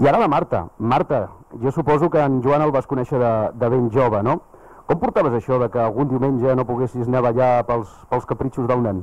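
A man has a plain, everyday voice at a medium pitch, speaking at a fairly quick pace. His loudness is very even, his pitch variation ordinary, and the background is quiet. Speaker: interviewer. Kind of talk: interview. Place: home room. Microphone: handheld.

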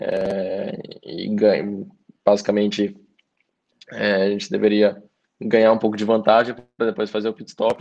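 The background stays quiet. Delivery is monotone, with flat intonation. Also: man. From Maringá, Paraná, Brazil. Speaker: Formula 2 racing driver. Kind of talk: interview, casual chat. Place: home room. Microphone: video call.

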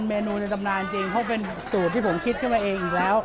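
Crowd noise fills the background. Over it, a man speaks with ordinary pitch variation. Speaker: restaurant owner vlogger. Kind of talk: casual vlog chat. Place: cafe. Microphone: phone near.

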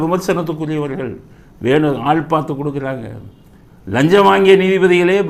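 Through audible room echo, a man speaks at a fairly high pitch with ordinary pitch variation. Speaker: political commentator, former police officer and lawyer. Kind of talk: political commentary monologue. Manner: impassioned.

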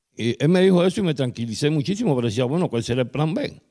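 A man speaks with a dark, mellow tone against a quiet background. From Cuba. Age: 60s. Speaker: church community member. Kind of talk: testimony. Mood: warm, grateful, earnest. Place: home room. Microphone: handheld.

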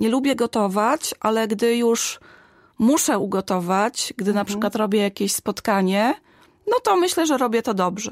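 A woman with a fairly high pitch and ordinary pitch variation talks at a moderate pace, her loudness very even and the sound dry and close with no echo. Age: 40s. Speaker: painter. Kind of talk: casual chat. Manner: calm.

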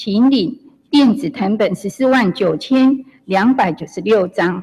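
A woman speaks with a somewhat breathy voice. Her pitch is fairly high. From Taiwan. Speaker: county land administration director. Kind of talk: official work report. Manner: halting, many fillers. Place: hall. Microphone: podium.

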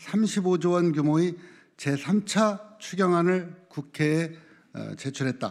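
A man at high pitch, very slow pace and ordinary pitch variation, over a quiet background. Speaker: business association chairman. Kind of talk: reading a prepared statement. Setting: press conference. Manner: formal. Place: hall. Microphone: podium.

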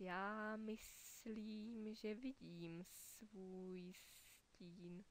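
A woman uses a put-on character voice at a medium pitch, with hardly any pauses. Hissing and clear background noise run underneath.

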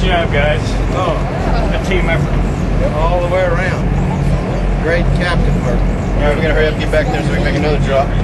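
Loud background noise competes with a man talking at a fairly quick pace. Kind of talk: casual chat. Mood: excited, congratulatory. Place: boat. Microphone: phone near.

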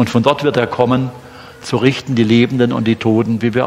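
A man talks at a medium pitch and a fairly quick pace. His intonation is monotone and flat, over light background noise. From Germany. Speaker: preacher. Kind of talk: sermon. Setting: church. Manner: formal; earnest, solemn. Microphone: podium.

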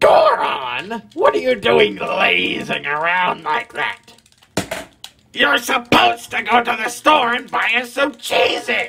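A man in a raised, projected voice speaks fairly slowly at an extremely high pitch. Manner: whiny, lazy, sarcastic.

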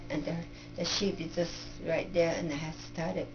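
A woman talks at a moderate speed with noticeable background noise around her. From Navajo Nation, American Southwest. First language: Navajo. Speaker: rug weaver. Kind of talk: interview answer. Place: home room. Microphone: camera far.

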